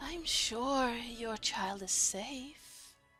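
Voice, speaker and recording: In a put-on character voice, a soft-spoken, female-sounding speaker uses a gentle tone and a high pitch. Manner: gentle, mysterious.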